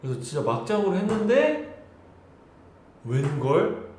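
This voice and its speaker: A man's voice: sits high, sing-song, measured pace, darkish tone. A young man in his twenties chatting casually and laughing with fans on a live stream. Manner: chatty, laughing, polite speech. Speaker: idol hosting a live stream. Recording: very echoey room with clear background noise.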